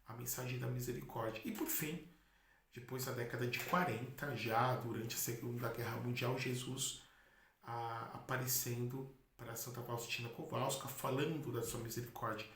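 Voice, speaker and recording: Catholic priest preaching in an echoey room. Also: male voice, mid-range voice, fairly even intonation, normal speed, a bit bright. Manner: chatty storytelling with asides. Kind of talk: sermon. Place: in Spain. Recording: echoey room with faint noise.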